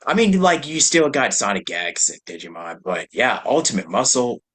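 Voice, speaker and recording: A man's voice: medium pitch, big pitch swings, moderate pace, a bit bright, husky. A man hosting a podcast, chatting casually in a loose, rambling way and laughing easily. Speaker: podcast host. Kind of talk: casual chat.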